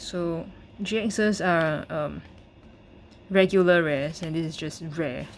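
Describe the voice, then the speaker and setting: A woman's fairly low voice at a very slow pace, with long, frequent pauses, ordinary pitch variation, and light background noise. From Singapore. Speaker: YouTuber, card collector. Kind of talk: unboxing video commentary. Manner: halting, many fillers. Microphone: phone near.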